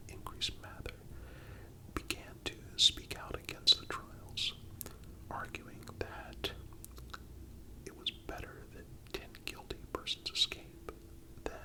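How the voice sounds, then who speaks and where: A man giving a calm, measured ASMR narration in a deliberate manner. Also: low-quality recording. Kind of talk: whispered ASMR history narration.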